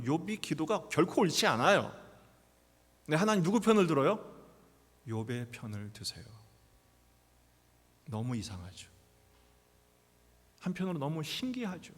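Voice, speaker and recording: Male pastor, high voice, live sermon, whispers to near-shouts, church hall reverb. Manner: dramatic, swings from hushed whispers to loud outbursts; acts out quoted voices. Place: church sanctuary.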